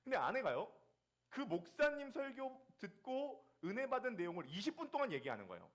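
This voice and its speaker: A man's voice: extremely high pitch, fairly quick. A man preaching a Sunday sermon as the church's pastor, telling stories with acted asides. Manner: lively storytelling with acted asides.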